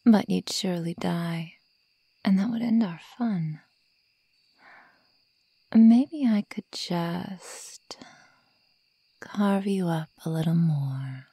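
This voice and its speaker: A woman voicing a sadistic, predatory werewolf girl who taunts her prey in a breathy whisper, in an ASMR roleplay. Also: on the low side, dark tone, dry recording, exaggerated voice. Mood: taunting, amused menace. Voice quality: breathy, mostly whispered, creaky. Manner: slow, taunting, menacing.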